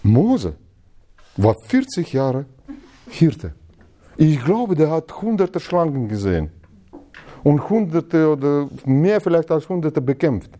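Animated man teaching the Bible. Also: a little high, slow pace, pauses often. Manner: animated, playfully acts out dialogues with frequent laughs; slightly broken German grammar. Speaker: Bible teacher in a church congregation. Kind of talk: lively Bible teaching to a group.

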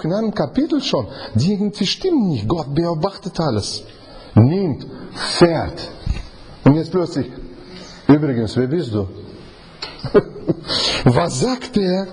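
A Bible teacher delivers a conversational Bible study sermon in non-native German, quizzing his audience and acting out the scenes he describes. He is animated, with a voice that sits high and a measured pace.

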